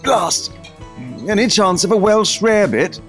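An actor playing an idle, pampered young upper-class twit in a comedic radio play, affected and exclamatory. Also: male voice, sits high, measured pace, a bit bright, faint music behind. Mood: petulant.

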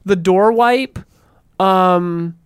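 A man's voice: high-pitched, very slow, clean tone, dry recording, studio quality. A man co-hosting a podcast, chatting casually about film with many fillers and some swearing. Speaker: podcast co-host.

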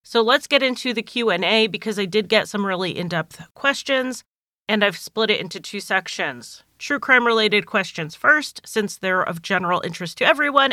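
A woman hosts her podcast solo, talking to listeners in a chatty, organized way. She sounds slightly stuffy and nasal from a cold, with a bright, clear tone. The recording is dry and close, with almost no room sound. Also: medium pitch, no room sound. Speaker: podcast host. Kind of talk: casual solo podcast monologue.

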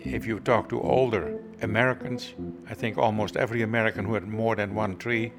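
Gravelly Dutch-accented man, chatty. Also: fairly low pitch, steady tone, a little fast, music in the background. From Netherlands. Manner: chatty, laughs easily, uses fillers. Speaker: city visitor services director. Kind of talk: casual interview.

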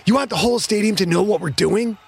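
A young, aggressive quarterback in a sci-fi sports story, voiced by a man reading aloud. His voice is husky and pushed higher, with a forceful edge. He barks commands like he owns the team. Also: expressive, normal speed, heavily acted. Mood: gruff, commanding. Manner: barking, commanding. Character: hot-tempered young male football quarterback, bossy and aggressive.

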